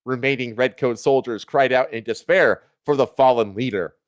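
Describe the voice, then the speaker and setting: A man's voice: mid-range voice, moderate pace, no echo. A man reading fan fiction aloud as a streamer, in a dramatic storytelling style.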